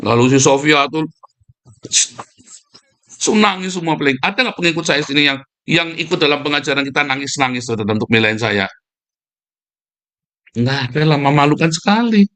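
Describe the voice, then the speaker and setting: A man with a somewhat high voice delivers a livestreamed sermon in a combative, scornful tone. He keeps turning to his listeners as brothers and sisters and pushes his voice higher whenever he denounces his critics. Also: expressive, moderate pace, pauses often, fairly bright tone. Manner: emphatic, pitch leaps up when denouncing. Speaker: pastor.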